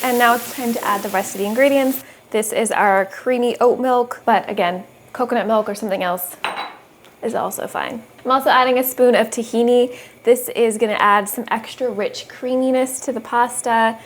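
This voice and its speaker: Cooking host, young woman, slightly high voice, chatty and upbeat, lapel mic in a home kitchen, faint hiss of a pan behind. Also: fairly even intonation, normal speed. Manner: chatty, upbeat, explains as she cooks. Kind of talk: casual cooking demonstration. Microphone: small lapel mic.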